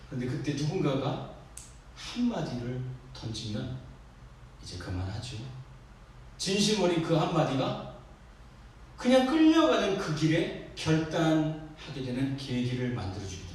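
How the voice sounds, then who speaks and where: A male pastor preaching with a lively, bouncing delivery and a slightly high voice. He swings from booming exhortation to soft asides. The sound is captured from far off in a very echoey church hall, with faint noise underneath. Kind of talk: sermon.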